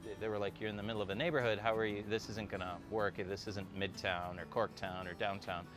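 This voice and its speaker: Deep-ish middle-aged guy from iraq, thoughtful and halting, music under him. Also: level tone. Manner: reflective, many fillers, trails off softly. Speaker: small business owner. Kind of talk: documentary interview. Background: background music.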